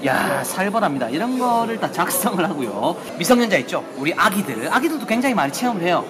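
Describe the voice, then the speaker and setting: A man's voice: high-pitched, big pitch swings, fast talker, a crowd in the background. A man in his forties presenting a vlog to camera in an exclamatory, showman-like way. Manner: exclamatory, theatrical showman delivery. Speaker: video show host. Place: on location, outdoors and in a large indoor hall. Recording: loud music over the voice. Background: loud music.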